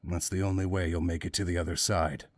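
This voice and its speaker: Low, level-voiced stern guide. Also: male voice, dry recording. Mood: calm, stern. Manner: calm, level, measured delivery. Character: calm, curt male guide, stern and unflappable. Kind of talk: visual novel game voice acting.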